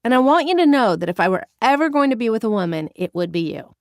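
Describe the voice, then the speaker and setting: A woman's voice: on the high side, sing-song, quick pace, no room sound, clean studio sound, voice pushed up. A woman reading the part of a candid, wry gay man in his thirties, speaking earnestly with light teasing.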